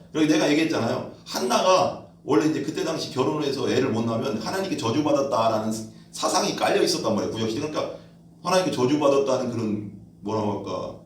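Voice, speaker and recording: A male pastor with a medium-pitched voice preaches conversationally in a church hall, asking rhetorical questions and acting out quoted voices. It's recorded from far off in an echoey room with slight background noise.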